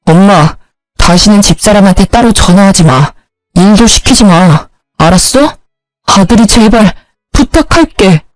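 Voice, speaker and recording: A woman's voice: mid-range voice, expressive, measured pace, no echo, lightly acted, poor audio. A woman voicing a remorseful young husband who pleads tearfully in a storybook narration. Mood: tearful pleading.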